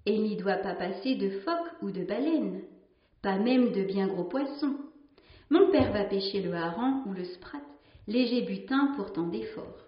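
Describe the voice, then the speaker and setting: A woman's voice: mid-range voice, animated, unhurried, natural voice. Resentful young net-weaving girl, read by a woman. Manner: questioning, complaining. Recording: roomy, slightly dull recording.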